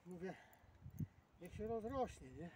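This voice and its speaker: A man's voice: sits high, sing-song, measured pace. A man in his sixties from Poland chatting casually and rambling to himself as a fishing vlogger out in a boat. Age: 60s. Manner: rambling, self-deprecating muttering to himself. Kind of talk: casual chat to camera while fishing. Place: outdoors in a boat on open water. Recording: outdoor far mic, clear background noise.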